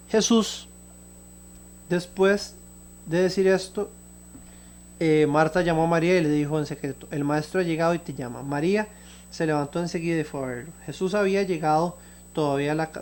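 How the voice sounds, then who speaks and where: A man with a Costa Rican Spanish accent delivers a sermon in a slightly high voice. He reads a scripture passage aloud, then steps back to explain it in an easy, conversational way, with the small restarts and fillers of unscripted talk. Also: steady tone, a little fast, a little mellow, slight background noise. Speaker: preacher. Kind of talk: Bible reading and sermon commentary.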